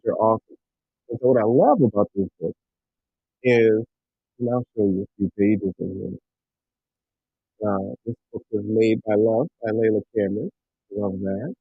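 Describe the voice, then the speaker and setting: A man's voice: on the low side, slightly rough, no room sound. A middle-aged man hosting a podcast in casual, rambling talk, his voice coming through tinny and muffled, like inside a tin can. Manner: rambling, with many fillers and restarts. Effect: tinny sound, like talking inside a tin can. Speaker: podcast host. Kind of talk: casual chat. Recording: tinny, muffled, phone-like dry sound.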